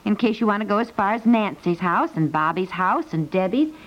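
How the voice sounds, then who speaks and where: A woman's voice: mid-range voice, expressive, a little fast, close to an everyday voice. A woman playing an eager, coaxing, fussy mother in a naturalistic 1950s radio comedy. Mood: chatty, coaxing. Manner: coaxing, chatty, fussing. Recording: muffled 1950s radio recording.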